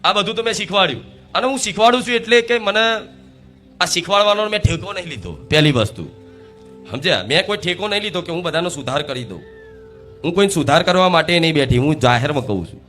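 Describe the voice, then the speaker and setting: Speaking as the goddess to a live devotional gathering, a male preacher uses a high, expressive, fast voice with a fairly bright tone. He is rhetorical, quizzing the crowd, calling for responses, and repeating key words for emphasis, with faint music behind him.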